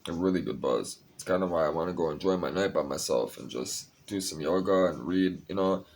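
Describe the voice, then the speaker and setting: A man's voice: deep voice, fairly quick, a little mellow, a little hiss or hum. A young man talking casually and confessionally to his vlog audience, rambling, cursing freely and sounding tired. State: tired, a bit high. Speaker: vlogger. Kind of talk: casual personal vlog talk.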